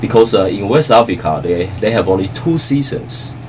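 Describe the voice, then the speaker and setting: A middle-aged man from Taiwan, an ambassador, answering interview questions politely and haltingly with many fillers. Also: lowish voice, expressive, a little mellow, far from the mic, a little hiss or hum.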